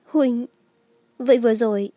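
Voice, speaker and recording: A woman's voice: on the high side, fairly even intonation, normal speed, mellow, no echo, faint music behind, close to an everyday voice. A woman voicing a fierce, devoted young swordswoman with anguished feeling in a martial-arts audiobook. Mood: shocked, trembling.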